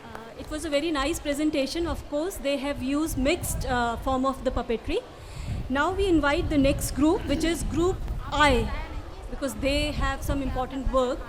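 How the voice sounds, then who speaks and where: A woman with an Indian English accent hosting a teacher workshop, announcing the next group in a brisk, businesslike way. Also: high-pitched, background noise. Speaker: workshop host. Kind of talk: announcing presenters.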